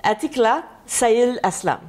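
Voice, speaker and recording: A woman hosts a local TV interview. She asks questions in a friendly way, with many pauses and fillers. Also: on the high side, expressive, a little mellow. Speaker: host. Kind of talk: television interview.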